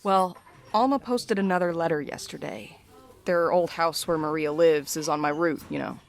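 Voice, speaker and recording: A woman's voice: low-pitched, moderate pace, creaky, slight background noise. A woman playing a weary, sardonic mail carrier in a naturalistic audio drama, with a dry, guarded delivery. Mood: weary, uneasy.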